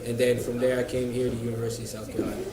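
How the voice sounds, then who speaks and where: A young man speaking from a busy cafe, with chatter around him and a roomy echo on his voice. He answers at an easy pace, relaxed, stopping often to fill gaps and repeat himself. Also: mid-range voice, very fast. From United States. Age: young adult. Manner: relaxed, hesitant with many fillers and repeats. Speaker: interviewee, university student. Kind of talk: casual interview answers.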